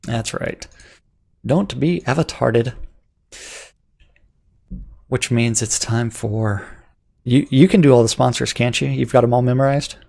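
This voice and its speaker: Gravelly chatty man reading sponsors. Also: medium pitch, unhurried, long pauses, a little mellow. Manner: rambling, laughs often, stammering restarts. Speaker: co-host reading community calendar and sponsors. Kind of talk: casual livestream chat.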